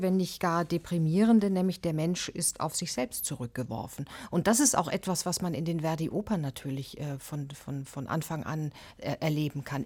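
Hesitant, searching female critic, fairly low voice. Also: darkish tone. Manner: searching for words, hesitant with many fillers, drops to a whisper at times. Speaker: music critic on a panel. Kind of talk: thoughtful spontaneous discussion.

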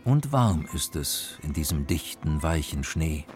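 Low-voiced man reading literature. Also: very animated, a little slow, darkish tone. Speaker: reader. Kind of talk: literary reading on a radio feature. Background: music.

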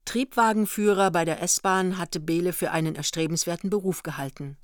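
A woman reading literary narration for a radio play in a measured, matter-of-fact way. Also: lowish voice, lightly acted. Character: composed female storyteller narrating a young East Berlin couple's honeymoon.

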